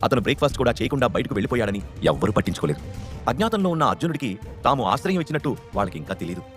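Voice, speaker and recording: A man narrates a dramatic story at a very fast clip. His pitch swings widely from line to line, and quiet music plays behind him. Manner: fast, animated reading that lifts pitch for quoted characters. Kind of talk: scripted story narration with character dialogue.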